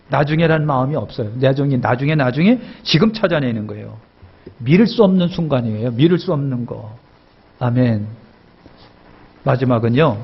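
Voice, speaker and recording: A male pastor preaching a sermon with emphatic repetition, his voice swelling in pitch and loudness as he presses his points. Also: husky, dull audio.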